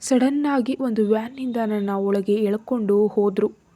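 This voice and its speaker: Scared young student read by a woman narrator, soft pleading tone, mellow voice. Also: medium pitch, level tone, moderate pace, natural voice. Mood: tearful.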